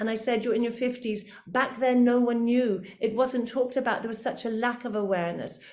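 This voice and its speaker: Over noticeable background noise, a woman with a fairly high pitch and an energetic tone talks at a fairly quick pace with hardly any pauses. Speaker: therapist. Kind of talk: interview. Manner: fast.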